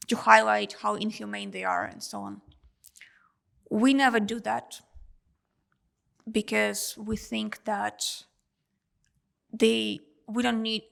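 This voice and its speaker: A woman whose first language is Russian, an editor answering audience questions at a press event in a measured, thoughtful way with frequent pauses. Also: mid-range voice, creaky, fairly bright tone. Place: press club event room.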